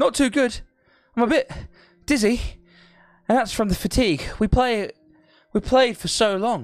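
Using a put-on character voice, a woman speaks fairly high and shaky at a moderate pace with long, frequent pauses. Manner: weak, shaky.

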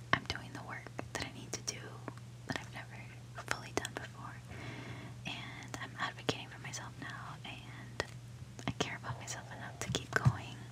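Soft-spoken, whispering woman at a moderate pace, with long, frequent pauses. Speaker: vlogger. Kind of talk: casual vlog chat. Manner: soft intimate ASMR whisper. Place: home room. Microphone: earbuds.

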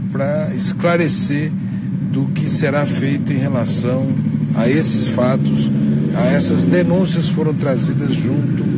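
A man's voice, dry and without echo, is heard through loud background noise. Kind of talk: press statement. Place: street. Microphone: handheld.

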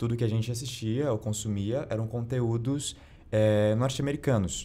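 A man is the one talking. The rise and fall of his pitch is ordinary. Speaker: actor. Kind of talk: casual chat. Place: studio. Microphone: studio mic.

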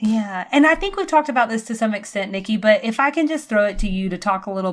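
In a Southern US accent, the speaker uses a playful tone with very wide pitch swings against a quiet background. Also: woman. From US South. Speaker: podcast co-host. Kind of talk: casual chat. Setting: remote recording, separate rooms. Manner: playful, laughs often. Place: home room. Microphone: studio mic.

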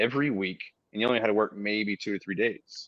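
A man with an ordinary speaking voice and a fairly low pitch talks at a fairly quick pace with fairly even intonation, in a dry sound with no echo and a quiet background. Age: 30s. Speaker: demolition business owner, co-host; podcast co-host. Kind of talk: casual chat. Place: office. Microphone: video call.

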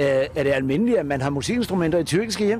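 Noticeable background noise sits behind this man. His intonation is lively. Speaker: TV reporter. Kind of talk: on-location reporting. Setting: outdoors.

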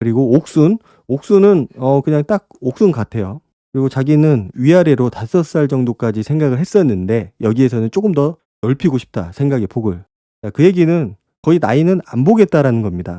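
A man speaks at a medium pitch and a moderate pace with a dark, mellow tone and very wide pitch swings, the sound dry and close with no echo over a quiet background. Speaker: YouTube reality-show commentator. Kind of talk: solo commentary monologue.

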